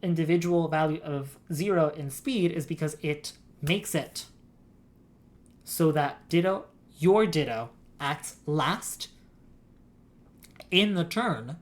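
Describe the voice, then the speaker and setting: A woman's voice: low voice, slow pace, pauses often. A woman streaming a game, explaining game mechanics in a rambling, giggly way. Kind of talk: casual gameplay stream chat.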